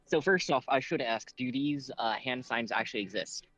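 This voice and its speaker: A man's voice: medium pitch, moderate pace, sharp tone, dry recording, soft background music. Hesitant stammering man. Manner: hesitant, stammering, self-mocking. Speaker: player. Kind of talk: casual tabletop game play.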